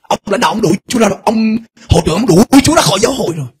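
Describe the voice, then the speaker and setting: A middle-aged male pastor preaching a fervent sermon, dropping to a hush and then rising to shouts. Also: sits high, animated, rapid-fire, slightly rough. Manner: impassioned preaching, swings between hushed and shouted.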